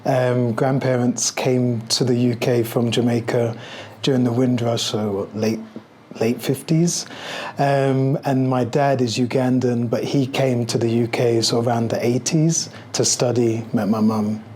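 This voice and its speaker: A man, speaking calmly and steadily as an interview guest. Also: medium pitch, slight background noise. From London, UK. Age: 30s. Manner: calm, measured, with ums. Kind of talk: casual interview chat.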